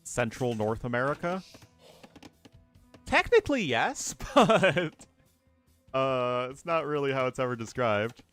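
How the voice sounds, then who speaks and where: A man's voice: mid-range voice, very animated, unhurried, pauses often, fairly bright tone, soft background music. A man giving casual live commentary on a strategy game match while answering chat questions, chatty and thinking aloud. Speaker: streamer and caster.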